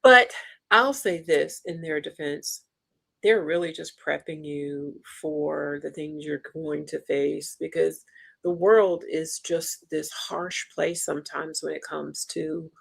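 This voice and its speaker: A woman hosting a casual interview, enthusiastic and quick to exclaim in wonder. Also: deep voice, gravelly, slightly rough. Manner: enthusiastic, exclaims and laughs often. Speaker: podcast host.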